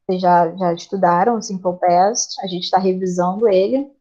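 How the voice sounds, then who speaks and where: A woman's voice: lowish voice, steady tone, moderate pace, warm tone. A woman with a Brazilian Portuguese accent, teaching a class online and patiently explaining grammar while checking in with students. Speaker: English teacher. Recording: slightly dull lo-fi audio.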